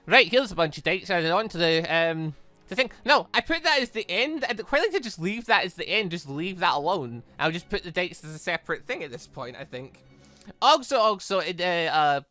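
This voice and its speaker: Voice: medium pitch, sharp tone, dry recording. A gaming YouTuber giving casual, rambling let's play commentary in a chatty way.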